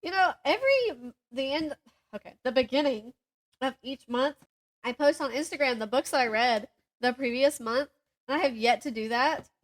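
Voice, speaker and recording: A woman's voice: high-pitched, animated, moderate pace. A young woman co-hosting a podcast, chatting casually about books and reading bits aloud, giggly and a little self-deprecating. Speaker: podcast co-host. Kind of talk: casual book chat with synopses read aloud.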